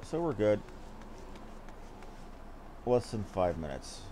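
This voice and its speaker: A man's voice: fairly low pitch, sing-song, slow pace, noisy background. A man giving casual, offhand gameplay commentary with geeky asides as he streams. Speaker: game streamer.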